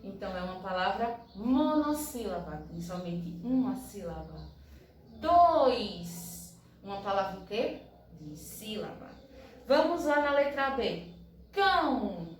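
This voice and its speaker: Slow, patient woman teacher in an echoey room. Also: mid-range voice, lively intonation, far from the mic. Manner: slow, patient, spells out syllables one by one. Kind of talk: recorded primary-school review lesson.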